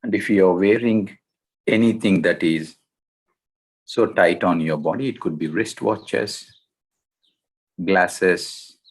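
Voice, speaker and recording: Male meditation guide, slow and gentle, with a low voice and deliberate pauses. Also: husky, poor audio. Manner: gentle, deliberate, short phrases with long pauses.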